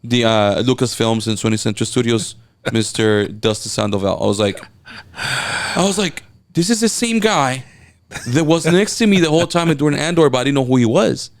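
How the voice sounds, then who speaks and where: A man from Mexico speaks English with a Mexican Spanish accent, his native tongue being Spanish. His voice has a gravelly edge over a smooth, full tone, and he tells his stories excitedly with frequent restarts. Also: medium pitch, moderate pace. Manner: excited storytelling, many restarts and fillers. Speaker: guest, event videographer. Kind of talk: casual interview chat.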